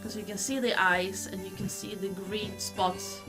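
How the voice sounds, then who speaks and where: A woman's voice: medium pitch, level tone, normal speed, over music. A woman narrating as game master in a tabletop game, speaking hesitantly with many fillers.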